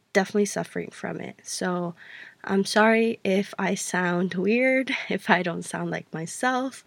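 Chatty woman with a gravelly, dry voice. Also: mid-range voice, dry recording. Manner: chatty, rambling, self-correcting with many fillers. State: stuffy-voiced from allergies. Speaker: podcast host. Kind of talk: casual solo podcast talk.

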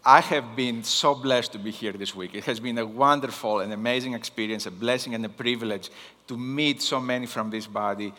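Man, Greek accent, non-native speaker, sermon delivery, forceful bright tone, deliberate emphasis, long hall reverb. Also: medium pitch. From Greece. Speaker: guest missions preacher. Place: large hall, speaking to a congregation.

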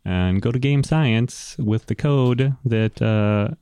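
A man acting as game master, improvising narration and chatting casually, often pausing to find his words. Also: medium pitch, warm tone, smooth, no echo, studio quality. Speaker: game master and show host.

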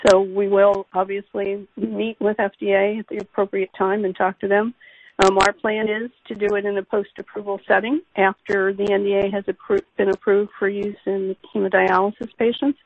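A woman's voice: mid-range voice, level tone. Woman executive on a hissy, muffled call. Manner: measured, careful, formal explaining. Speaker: company executive answering analysts' questions. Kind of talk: earnings call question and answer. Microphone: conference call line. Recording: dull lo-fi conference call with hiss.

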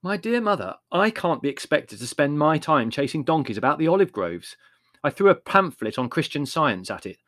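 A man's voice: mid-range voice, sing-song, brisk, few pauses, dry recording, studio quality. Figure: a man doing a pompous, peevish young writer. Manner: pompous, aggrieved, declamatory.

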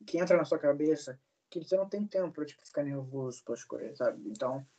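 A man's voice: on the high side, quick pace, warm tone, dull audio. A man in his early twenties telling stories in a casual interview, rambling with lots of fillers and swearing. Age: 20s. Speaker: guest, singer.

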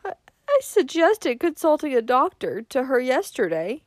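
A woman's voice: high voice, wildly swooping pitch, normal speed, a bit bright, no echo, voice pushed up, exaggerated voice. Woman playing a sobbing, put-upon older mother. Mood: plaintive. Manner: sobbing, moaning, plaintive.

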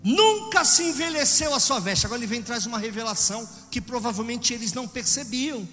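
A man preaching a sermon with a Brazilian Portuguese accent, swinging from loud exclamations to hushed storytelling. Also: very high-pitched, animated, brisk, in a large hall, soft background music.

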